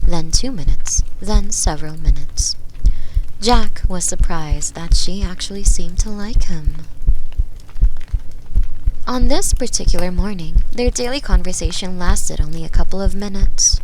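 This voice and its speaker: Woman, soft ASMR bedtime storyteller, unhurried and slightly low, some background noise. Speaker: storyteller reading bedtime stories as sleep aid. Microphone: close binaural microphone.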